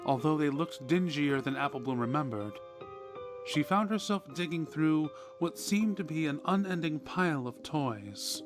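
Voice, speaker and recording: A man reading a scripted horror story in a measured, deliberate way, with dramatic pauses. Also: fairly high pitch, expressive. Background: background music.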